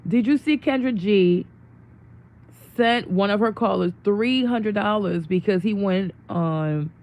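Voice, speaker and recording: A young woman with a worn-out, hoarse voice chatting casually with viewers on her livestream, greeting them and laughing often. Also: mid-range voice, slow, a little mellow, muffled recording. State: losing her voice. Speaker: livestream host. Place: home room.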